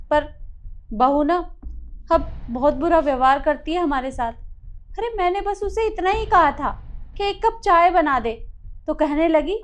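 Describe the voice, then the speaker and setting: An actress playing a scheming, domineering mother-in-law who scolds and complains in a family drama. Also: sits high. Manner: scolding, self-pitying. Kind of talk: Hindi family drama acting.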